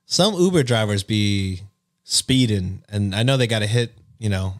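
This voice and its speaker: A man co-hosting a podcast, reading a post aloud and then chatting casually, often trailing off low. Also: normal speed.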